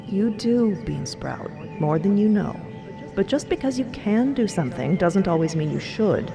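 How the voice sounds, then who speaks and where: A woman's voice: medium pitch, sing-song, measured pace, creaky, over music. A woman playing a no-nonsense grandmother and sword mentor in an audio drama, firm and reassuring. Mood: gentle counsel. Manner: firm, reassuring, matter-of-fact. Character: steady, no-nonsense old granny and sword mentor.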